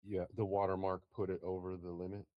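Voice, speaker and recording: A man's voice: deep voice, level tone, a little fast, no echo, muffled recording. A man leading a work meeting on a video call, asking short questions and giving brief acknowledgements. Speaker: meeting lead.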